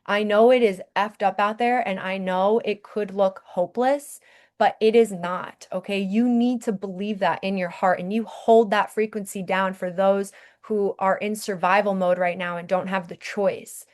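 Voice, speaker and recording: A woman's voice: mid-range voice, steady tone, normal speed. Woman, spiritual podcast host, earnest, urging, impassioned talk. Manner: earnest, urging, repeats "okay?". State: briefly emotional.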